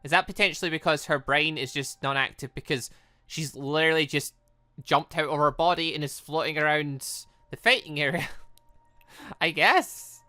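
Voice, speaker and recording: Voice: mid-range voice, normal speed, sharp tone. A British let's play host giving casual commentary on a game, rambling and thinking aloud. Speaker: gaming video host.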